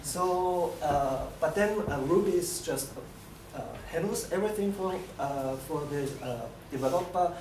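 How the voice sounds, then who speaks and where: A young man with an Austrian accent gives a live technical presentation in a halting, hesitant way. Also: a little high, darkish tone. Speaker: bootcamp graduate presenting a project. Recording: echoey room, distant mic, noisy.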